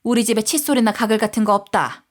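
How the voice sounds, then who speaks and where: A woman's voice: a little high, fairly even intonation, quick pace, lightly acted. A woman voicing a harsh, scornful older mother-in-law in a story reading, speaking in curt, scolding phrases.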